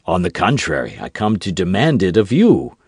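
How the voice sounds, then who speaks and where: A man voicing a calm, shrewd captain of musketeers who speaks quietly and with measured composure in an audiobook. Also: sits low, breathy edge, no echo, clean studio sound, exaggerated voice. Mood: composed.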